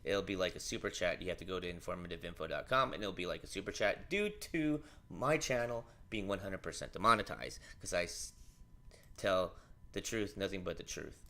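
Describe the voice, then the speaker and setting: A man's voice: low voice, lively intonation, a little fast, sharp tone. A man hosting a livestream, reading news and commenting in a rambling, offhand way with many fillers.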